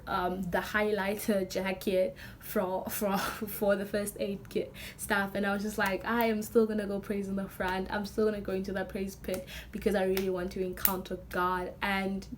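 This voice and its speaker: Hoarse young woman gushing. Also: mid-range voice, slight background noise. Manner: gushing, rambling, many fillers and restarts. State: lost voice, hoarse. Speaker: vlogger. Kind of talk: excited casual church vlog.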